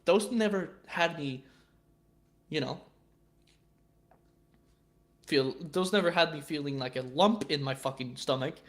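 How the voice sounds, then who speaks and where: A young man in his twenties rambles through a casual live-stream chat. His voice sits a bit high for a man. He swears freely and keeps tripping over stammered restarts. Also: fairly bright tone. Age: 20s.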